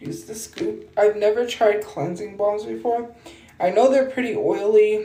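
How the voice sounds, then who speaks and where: Soft-spoken delivery at a fairly slow pace, with noticeable background noise and audible room echo. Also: woman. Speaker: social media creator. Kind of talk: makeup tutorial. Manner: casual, halting.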